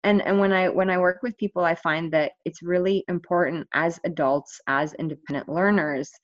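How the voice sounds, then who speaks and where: A woman's voice: lowish voice, steady tone, moderate pace, dry recording. A woman working as an online language coach, thinking aloud in casual conversation with many fillers and restarts. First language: not Finnish. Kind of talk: casual video call conversation. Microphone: video call. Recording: dull, dry video call audio.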